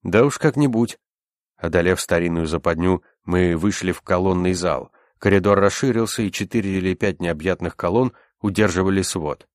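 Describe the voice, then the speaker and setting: A man narrating an audiobook in a measured, even storytelling manner. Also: low voice, smooth, no echo, clean studio sound. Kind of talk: scripted narration.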